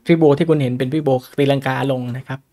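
A man's voice: medium pitch, steady tone, quick pace, mellow. A man hosting a casual livestream on stock analysis, talking chattily and often asking his viewers rhetorical questions. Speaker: stock market livestream host.

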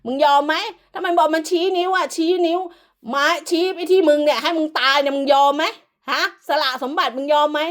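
A woman delivering an angry, profane, scolding rant as an online commentator, hurling insults throughout. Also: sits high.

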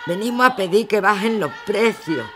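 A woman's voice: mid-range voice, lively intonation, normal speed, a crowd in the background, background noise, natural voice. An actress playing a resolute working-class woman leading protesters, with an Andalusian accent, in a radio drama. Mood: resolute, firm. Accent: Andalusian Spanish.

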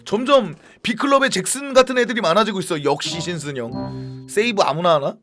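A man streaming a football match, reacting live with chatty commentary and bursts of shouting at the big moments. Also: high-pitched, normal speed, soft background music.

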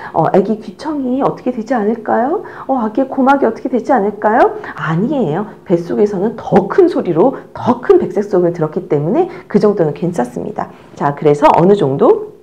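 A middle-aged woman teaching parents how to soothe a crying baby, demonstrating as she talks and sometimes dropping to a soft whisper. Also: mid-range voice, brisk, muffled recording. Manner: animated, demonstrating with an instructor's cues; drops to a soft whisper while the baby settles. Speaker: baby care instructor. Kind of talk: instructional demonstration.

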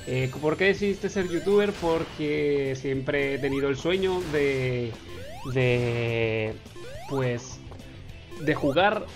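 A Mexican man in his twenties with a Mexican Spanish accent, casually answering viewer questions as a gaming YouTuber, playful, reading each question aloud in a raised voice. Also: fairly high pitch. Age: 20s. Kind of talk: casual Q&A voice-over over gameplay.

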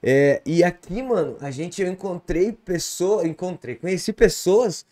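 Casting: man in his thirties, fairly high voice, loose slangy rambling podcast talk, close boom mic in a small studio. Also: a little slow, warm tone. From Santa Catarina, Brazil. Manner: slangy, rambling, many fillers and restarts; gestures a lot with his hands. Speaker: podcast guest, comedian and producer. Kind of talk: casual podcast conversation.

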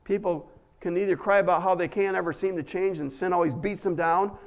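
A man with a notably high-pitched voice, preaching a sermon. He tells homey stories in a casual way, then presses his points with rising emphasis. He sounds middle-aged. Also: steady tone, fairly quick. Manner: folksy storytelling that builds to emphatic preaching. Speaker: pastor.

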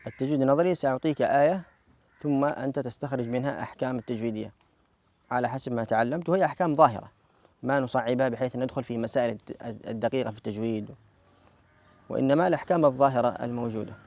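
A man's voice: medium pitch, racing, a little mellow. A man, a recitation judge patiently quizzing a contestant on the rules of Quran recitation and repeating words for emphasis.

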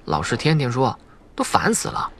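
A man's voice: medium pitch, huge pitch swings, moderate pace, a bit bright, faint music behind. A man voicing an innocent, earnest young schoolgirl with guileless, childlike manner in an audiobook story. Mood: matter-of-fact, indignant. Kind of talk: audiobook character dialogue.

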